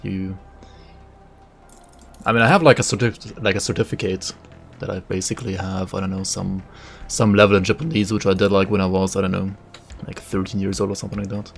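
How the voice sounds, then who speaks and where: A man gives loose, rambling commentary on his gameplay, full of "like" fillers. Soft game music plays faintly underneath him. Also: fairly low pitch. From Germany. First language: German. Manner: casual, thinking aloud, many "like" fillers. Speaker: game streamer. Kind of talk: live gameplay commentary, reading chat.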